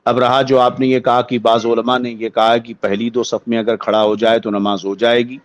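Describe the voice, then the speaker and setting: A man with an Indian accent, a Muslim cleric giving a religious ruling as a lecture in deliberate, formal scholarly phrasing. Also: mid-range voice, level tone, dry recording, muffled recording.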